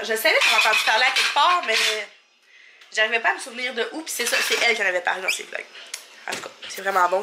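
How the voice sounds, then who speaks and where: In a very noisy recording, a woman in her thirties with a slightly high voice and a Québécois French accent vlogs casually from her kitchen at home. Her family vlog is chatty and rambling, full of fillers and little laughs, and a stuffy nose leaves her a bit sniffly.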